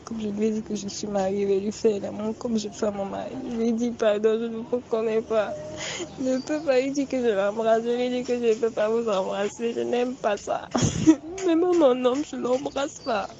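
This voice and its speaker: A young adult woman giving a personal testimony, recounting events in a halting, repetitive, shaken way. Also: fairly high pitch, fairly even intonation, dark tone. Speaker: witness recounting an assault. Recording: dull lo-fi recording with faint background noise.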